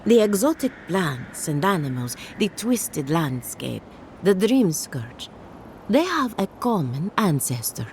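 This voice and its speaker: A grave, caring scholar in a video game. Her delivery is earnest and softly formal, with lively movement in pitch, over faint background noise. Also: takes it slowly, full character voice. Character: solemn, caring woman scholar tending a farm flock. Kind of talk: video game character dialogue.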